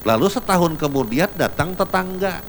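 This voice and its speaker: A man's voice: high voice, animated, normal speed, a little hiss or hum. A man giving a religious lecture, emphatic and repetitive as he tells everyday anecdotes. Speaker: preacher.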